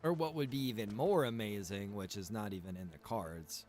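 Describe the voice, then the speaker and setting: A man with a fairly low voice chats casually on a gaming livestream. He rambles and thinks out loud as he goes. Music plays faintly behind his voice. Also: normal speed. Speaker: game streamer. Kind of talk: casual livestream gameplay chat.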